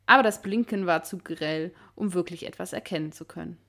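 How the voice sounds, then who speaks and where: Woman reading a story aloud calmly. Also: fairly low pitch, fairly quick. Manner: calm storytelling with small slips and restarts. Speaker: reader. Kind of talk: reading fan fiction aloud.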